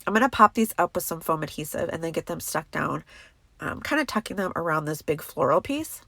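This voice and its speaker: Stuffy woman rambling happily thru a craft tutorial, lowish voice, dead dry close mic. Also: lively intonation, a little fast, gravelly, a bit bright, dry recording. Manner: chatty and enthusiastic, many fillers. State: stuffy, congested voice. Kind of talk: casual voice-over craft tutorial.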